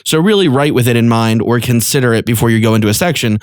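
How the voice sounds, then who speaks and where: A man's voice: medium pitch, animated, fast, clean tone, dry recording, clean studio sound. A man giving an informal, explanatory lesson as a vocal technique coach. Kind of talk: instructional talk with short vocal demonstrations.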